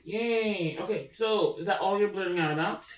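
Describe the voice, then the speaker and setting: A woman's voice: medium pitch, moderate pace. A woman co-hosting a casual pop-culture podcast in a playful, candid way. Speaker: podcast co-host. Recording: echoey room, distant from mic.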